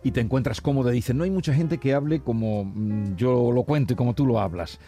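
A man hosting a radio interview asks his guest curious, prompting questions. His voice is dark and mellow, and soft music sits faintly behind him. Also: medium pitch, brisk. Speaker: radio host.

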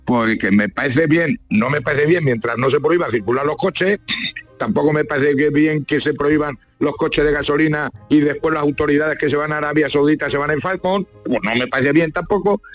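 Older man chatting, slightly high voice, over music. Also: dry recording. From La Mancha, Spain. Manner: colloquial, jokey, repeats words for emphasis. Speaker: judge, radio guest. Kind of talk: chatty radio interview, anecdotes.

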